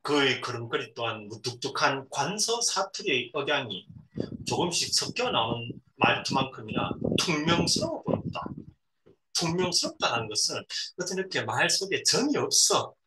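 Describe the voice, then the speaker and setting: A man's voice: medium pitch, big pitch swings, sharp tone. A middle-aged man reads a novel aloud to his son. He stops often to explain words simply and acts out the quoted lines. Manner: reads a passage, then pauses to explain words simply to a child. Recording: roomy echo, a bit far from the mic, faint noise.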